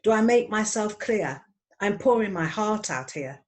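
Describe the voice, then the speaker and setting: A woman's voice: mid-range voice, lively intonation, measured pace. A woman in her fifties reading her own punning poem aloud with a wry delivery, over an online call. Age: 50s. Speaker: poet. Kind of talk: poetry reading. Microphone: online video call.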